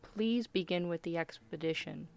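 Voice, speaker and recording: Lady doing a stern clinical doctor interrogator for a radio drama, kinda low voice, very formal. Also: moderate pace, gravelly, darkish tone. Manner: formal, controlled, official. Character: clinical, firm female doctor interrogating a prisoner. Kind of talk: radio play acting.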